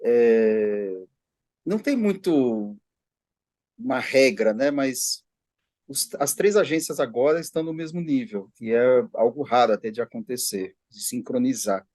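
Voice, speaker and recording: A man comments on a panel in a plain, middle-pitched voice. The sound is dry and close. He talks in a matter-of-fact way and corrects others. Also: expressive, measured pace, a little mellow, no room sound. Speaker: economics commentator. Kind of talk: casual panel chat.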